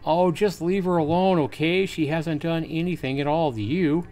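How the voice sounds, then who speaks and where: A man voicing a withdrawn, awkward but protective teenage boy in a visual novel, speaking earnestly and a little haltingly. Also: on the high side, dark tone, voice pushed up, lightly acted. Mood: defensive.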